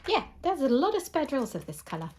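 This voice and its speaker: This middle-aged British woman talks briskly at a high pitch that swoops wildly, chatting and rambling with frequent chuckles while doing a craft for her channel at home. The background is noisy.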